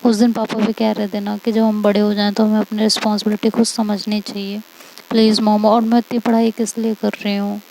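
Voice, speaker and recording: A woman's voice: mid-range voice, completely flat delivery, fairly quick, gravelly, dark tone, natural voice. A woman voicing a playful young woman in a romance story who teases, clings to her partner and pleads. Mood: pleading.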